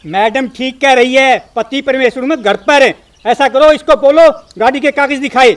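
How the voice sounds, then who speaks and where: Man as a high-voiced, meek constable and henpecked husband, comedy film. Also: normal speed. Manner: obliging, meek.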